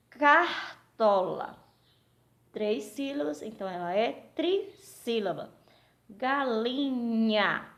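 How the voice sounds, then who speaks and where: Brazilian woman teaching little kids, slow and patient, bit of vocal fry. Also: mid-range voice. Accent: Brazilian Portuguese. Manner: slow, patient, asks questions and answers them. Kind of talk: recorded school lesson for children.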